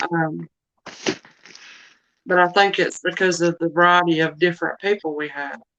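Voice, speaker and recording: A woman with a Southern US accent, fairly low in pitch, monotone and flat, at a moderate pace with long, frequent pauses. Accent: very Southern US. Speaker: live-stream seller and channel host. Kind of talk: casual live-stream chat.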